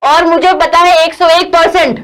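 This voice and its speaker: A woman's voice: very high voice, steady tone, moderate pace, fairly bright tone, low-quality recording. A young woman teaching an online exam-prep class, emphatic, repeating key phrases and quizzing her listeners.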